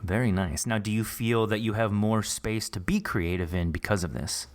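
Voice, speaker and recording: A man's voice: fairly low pitch, moderate pace. A man hosting a podcast in a conversational interview style, chatty, with hesitant, repeated phrasing. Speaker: podcast host.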